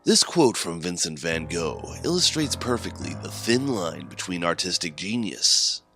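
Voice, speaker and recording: A man as an ominous, very deep-voiced horror host. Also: very animated, sharp tone, full character voice. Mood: ominous, musing. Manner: portentous, ornate, deliberate phrasing. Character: ominous, theatrical host of a mysterious otherworldly radio signal. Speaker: host of a horror anthology podcast. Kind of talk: scripted dramatic horror narration. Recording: music under the voice. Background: music.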